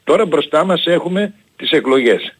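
A man's voice: on the high side, lively intonation, breathy edge. A middle-aged man from Epirus calling in to a radio show, arguing insistently and repeating himself. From Greece, Epirus. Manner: insistent, repetitive, defensive. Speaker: caller. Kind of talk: heated call-in argument.

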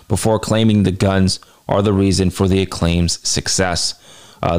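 Deep clear voiced guy doing a casual wrestling commentator recap, chatty and opinionated. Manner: conversational match-by-match recapping with personal opinions. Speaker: wrestling show reviewer and host.

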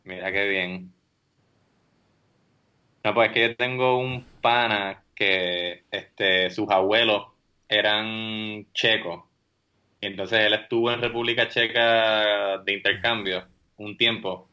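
A man with a Puerto Rican accent hosting a podcast, chatting in a relaxed way. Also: fairly low pitch, slow pace, highs cut off. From Puerto Rico. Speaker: podcast host. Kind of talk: casual podcast chat.

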